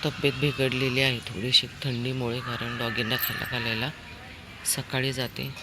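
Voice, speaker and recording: A woman's voice: very deep voice, little pitch movement, moderate pace, heavy background noise. A woman vlogging her dog, chatting away and fondly scolding and coaxing him. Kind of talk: casual pet vlog commentary. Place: outdoors on a walk, later at home.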